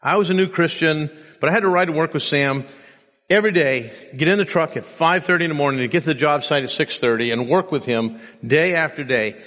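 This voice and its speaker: A man's voice: on the high side, brisk, a bit bright, in a large hall. A man preaching a sermon and telling personal stories with self-deprecating humor, saying he is sleep deprived. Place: church.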